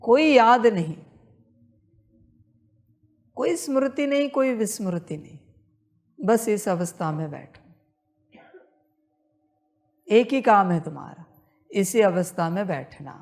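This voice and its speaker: Slow, insistent woman guiding meditation. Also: medium pitch, animated, darkish tone. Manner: slow, repetitive, insistent spiritual instruction. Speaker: meditation guide. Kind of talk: guided meditation talk.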